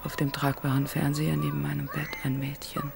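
A bone-tired inner voice. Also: female voice, low-pitched, a little fast, over music. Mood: weary. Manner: weary, monotone, gravelly. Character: exhausted woman narrating her inner thoughts. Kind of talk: inner monologue in a radio drama. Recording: noisy background.

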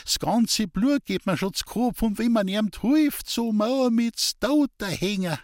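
A man's voice: high-pitched, unhurried, no room sound, clean studio sound, pitched above the performer's own voice. A man voicing an old, good-natured village woman with a silver mustache, in a pleading, whiny sing-song. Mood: wailing.

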